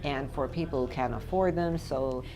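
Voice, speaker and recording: A woman's voice: a bass voice, moderate pace, mellow, faint music behind. A woman co-hosting a casual talk show, teasing and playful with her co-host. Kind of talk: casual chat. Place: hotel room.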